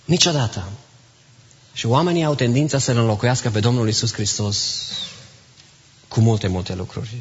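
A man preaching a sermon in a church, impassioned, swinging between hushed and loud emphatic lines and repeating phrases for emphasis. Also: mid-range voice, long pauses, highs cut off, a little hiss or hum. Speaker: pastor.

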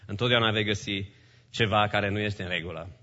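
Male pastor, sermon delivery, forceful and bright, loud peaks and quiet drops; dull recording with long church-hall reverb. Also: fairly even intonation. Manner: preaching with strong swings between loud calls and hushed, low lines.

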